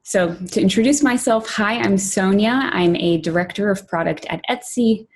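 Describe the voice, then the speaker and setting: A woman from Poland, raised in New York, giving a prepared conference talk as a product director, measured and clear, with lists and emphasis. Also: medium pitch, slight background noise. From Poland, raised in New York City.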